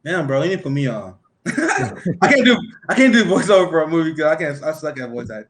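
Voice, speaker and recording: Fast-talking Midwestern man. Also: fairly high pitch, noisy background. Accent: Midwestern American. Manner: fast, excitable talker. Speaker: livestream host. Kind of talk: casual livestream chat.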